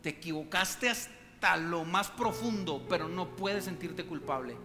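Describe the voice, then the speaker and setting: High-voiced preaching man in a reverberant church. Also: a little slow. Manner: preaching with emphatic rises and hushed drops. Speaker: pastor. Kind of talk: sermon. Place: church hall. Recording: long church reverb with music beneath. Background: soft instrumental music.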